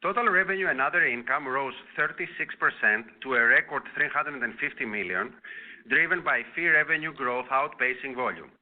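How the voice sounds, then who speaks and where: A man working as a finance executive, reading a scripted earnings presentation in a formal, measured manner over a conference call. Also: medium pitch, lively intonation. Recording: tinny phone-line conference call audio.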